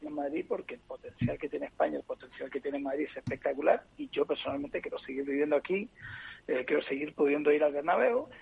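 A man from Chile, a guest on a podcast, talks thoughtfully with many hesitations and restarts in a husky, gravelly voice. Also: on the high side, big pitch swings, fast talker. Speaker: agency partner, guest. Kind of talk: conversational podcast interview. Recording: tinny phone-line sound.

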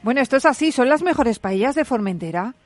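A woman's voice: fairly high pitch, lively intonation, fast talker. Woman radio host with faint music. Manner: friendly, brief acknowledgments. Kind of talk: radio interview.

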